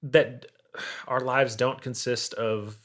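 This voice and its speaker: A man's voice: medium pitch, fairly even intonation, takes it slowly. A man speaking as a podcast guest in a casual music discussion.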